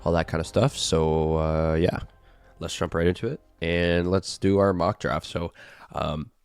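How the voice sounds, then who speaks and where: A man hosting a casual sports chat, stuffy from a cold, relaxed and full of fillers. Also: low voice, unhurried, creaky, smooth, no room sound. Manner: laid-back, filler-heavy. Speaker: podcast host.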